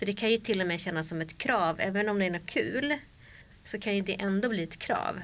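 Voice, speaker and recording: Speaking very fast in a Swedish accent, a woman keeps to a medium pitch. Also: ordinary pitch variation. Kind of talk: casual interview.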